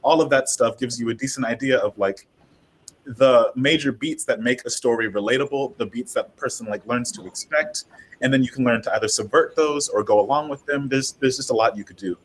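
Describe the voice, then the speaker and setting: Slightly husky man chatting on a panel. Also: mid-range voice, a little fast, rough recording. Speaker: audio drama writer and panelist. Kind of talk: casual panel talk.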